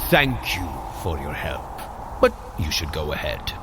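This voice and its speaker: An actor playing a hearty, loyal Norse thunder god in an audio drama, speaking in an earnest, formal, theatrical way. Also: male voice, rumbling low, big pitch swings, unhurried, exaggerated voice. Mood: friendly, firm. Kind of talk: audio drama acting, archaic formal speech. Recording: clearly noisy outdoor ambience behind.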